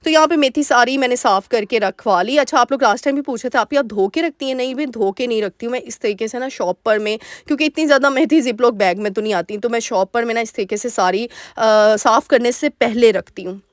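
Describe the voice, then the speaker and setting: A young woman with a sore throat doing a chatty voice-over for her cooking vlog, recorded in a small dark store room. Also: fairly high pitch, brisk, hardly any pauses, no echo, studio quality. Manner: warm, chatty, homely advice-giving. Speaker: vlogger homemaker.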